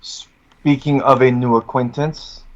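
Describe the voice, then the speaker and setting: A man playing a courtly adventurer in a tabletop game, questioning someone in stilted formal phrases with deliberate pauses. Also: medium pitch, steady tone, lightly acted. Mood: probing, formal. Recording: dull audio, music behind.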